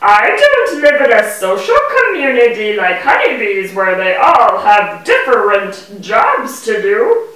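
Far from the mic in a very echoey hall, a woman plays a small, self-reliant bee puppet. The voice is sharp and bright, with emphatic, explanatory delivery for a children's show. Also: mid-range voice, wildly swooping pitch, a little slow. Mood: explaining.

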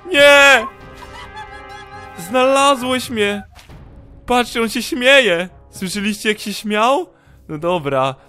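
A man with a Polish accent, commenting excitedly on his game for viewers and switching into broken English now and then. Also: on the high side. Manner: animated, yelps and talks to viewers, broken English asides. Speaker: gaming YouTuber. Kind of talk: excitable Minecraft let's play commentary. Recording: music playing faintly under the voice.

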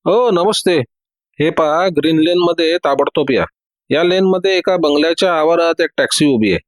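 A man's voice: on the high side, normal speed, dry recording, pitched above the performer's own voice, lightly acted. A man voicing a confident, witty male detective who teases everyone in a breezy way. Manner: teasing, breezy.

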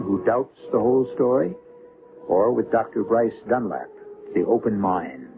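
A man hosts a radio mystery with theatrical, deliberate narration. His lowish voice has a gravelly creak. It sounds like a muffled old broadcast with music behind it. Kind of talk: dramatic scripted narration, old-time radio.

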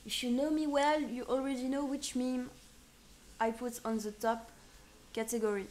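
A woman's voice: fairly high pitch, steady tone, measured pace, darkish tone, slight background noise. A woman in her twenties with a French accent, chatting playfully as a live streamer and switching into accented English. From France. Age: 20s. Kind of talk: casual live stream chat.

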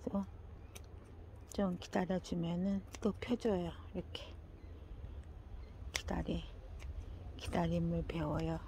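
An older woman talking slowly to herself while tending plants in a casual gardening vlog, often dropping into a half whisper. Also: lowish voice, little pitch movement, background noise. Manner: slow, murmuring, often drops to a half whisper. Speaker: gardening vlogger.

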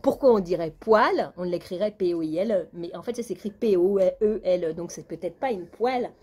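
A woman's voice: fairly low pitch, fairly quick, dark tone, slightly rough. Chatty complaining woman vlogger. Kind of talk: casual chat.

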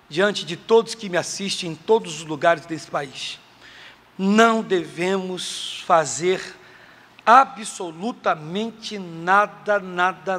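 A man's voice: high-pitched, fairly bright tone. A man with a Brazilian accent preaching a sermon in a church, emphatic and repetitive, acting out little dialogues. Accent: Brazilian Portuguese. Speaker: pastor. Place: large church hall. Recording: long church hall reverb.

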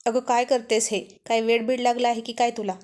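A woman's voice: on the high side, level tone, fairly quick, darkish tone, close to an everyday voice. A woman voicing a stern, irritable young man who scolds in an exasperated way, in a told love story. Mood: scolding.

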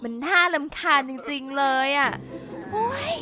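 A woman's voice: high-pitched, big pitch swings, measured pace. A woman giving playful game commentary, theatrically scolding characters and talking to her viewers. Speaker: gaming YouTuber. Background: background music.

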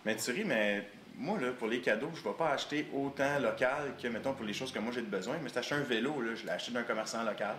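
A man's voice: mid-range voice, quick pace, few pauses, a bit bright. A man in his thirties with a Quebec French accent, chatting casually with lots of fillers, recorded close in a tattoo shop. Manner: casual and talkative, with many fillers. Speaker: interviewee. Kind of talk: casual chat. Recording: echoey room with light noise.

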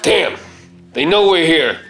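A middle-aged man on stage playing a gruff, take-charge survivor of a zombie attack in a radio play, with folksy phrasing. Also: a little high, lively intonation, takes it slowly, heavily acted. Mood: alarmed, angry. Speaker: stage actor reading a script. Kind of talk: live radio-play acting. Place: theater stage. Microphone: stand microphone. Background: loud music.

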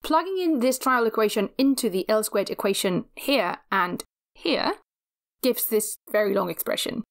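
A woman giving a scripted physics lecture, explaining step by step in a measured, methodical way. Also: fairly high pitch, expressive.

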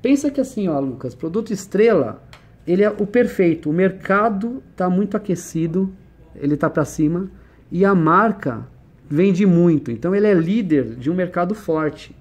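A man's voice: high voice, lively intonation, normal speed, a little mellow. A man explaining business ideas in a conversational one-on-one lesson, using everyday examples and questions.

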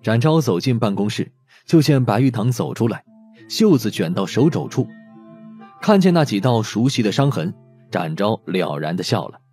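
A man's voice: on the low side, big pitch swings, normal speed, darkish tone. A man narrating a scripted audio drama as a dramatic storyteller. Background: background music.

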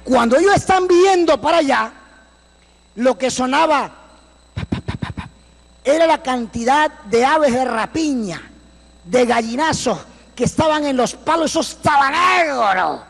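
A man giving a dramatic church testimony as a survivor, acting out voices and breaking into shouts. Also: very high voice, measured pace, gravelly. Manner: animated storyteller who acts out voices and bursts into shouts. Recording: long church hall reverb.

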